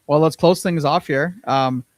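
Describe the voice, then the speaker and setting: A man's voice: fairly high pitch, unhurried, no echo. A man co-hosting a business podcast in casual chat, rambling with lots of fillers and repeated words, on a close mic. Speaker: podcast co-host.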